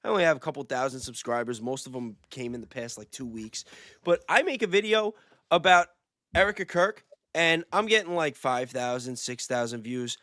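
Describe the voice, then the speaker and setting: A man hosting a casual livestream chat, talking excitedly and repeating phrases for emphasis. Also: mid-range voice, moderate pace, no room sound, clean studio sound. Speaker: livestream host with a small channel.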